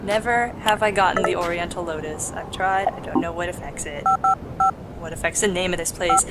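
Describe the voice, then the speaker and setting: A woman's voice: lowish voice, fairly even intonation, a little fast, very noisy. A woman hosting a Let's Play with casual, wry, joking commentary on the game. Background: game music.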